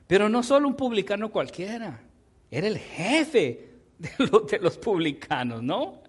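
A man preaching a sermon, joking with the congregation and often asking for agreement. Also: sits high. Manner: animated, jokes with the congregation, tag questions.

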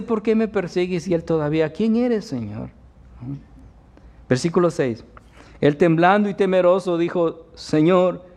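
A man's voice: sits high, a little mellow. A man giving a conversational sermon as pastor, often checking in with his listeners. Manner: conversational preaching with frequent tag questions.

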